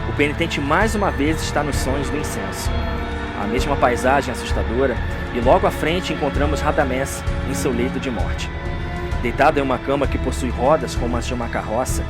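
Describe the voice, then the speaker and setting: Male narrator, Brazilian accent, mid-pitched, solemn and theatrical, for a dark audio drama with prominent music underneath. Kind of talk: dramatic scripted story narration.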